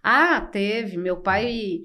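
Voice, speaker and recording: Slow-speaking older Brazilian woman. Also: mid-range voice, animated, bright, forceful tone. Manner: slow, reflective, with frequent pauses and fillers. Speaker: guest. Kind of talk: personal storytelling in an interview.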